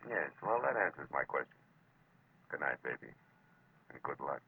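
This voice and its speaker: A man's voice: rumbling low, big pitch swings, normal speed, vocal fry, heavily acted. A man acting a world-weary, hard-boiled American private detective with a wry, clipped delivery in 1940s radio drama style. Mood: gently wry. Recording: muffled, noisy old radio recording.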